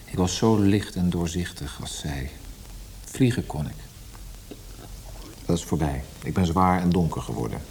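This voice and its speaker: Melancholy male poet, low voice, soft dark timbre, lyrical delivery, radio play. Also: lively intonation, unhurried, pauses often, slight background noise. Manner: lyrical, introspective. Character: brooding, weary, melancholy male Austrian poet. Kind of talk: literary radio drama acting.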